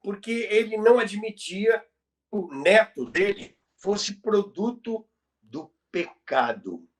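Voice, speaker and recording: Older Brazilian male storyteller, high-pitched, unhurried, halting, emphatic repetition. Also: animated. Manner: emphatic, repeats phrases, halting delivery. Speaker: podcast host and storyteller. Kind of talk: conversational retelling of radio history.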